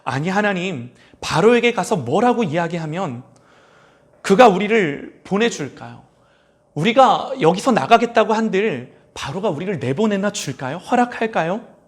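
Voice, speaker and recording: A male pastor voicing Moses as a worried old man protesting to God in slow, pleading phrases. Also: a little high, lively intonation. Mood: exasperated.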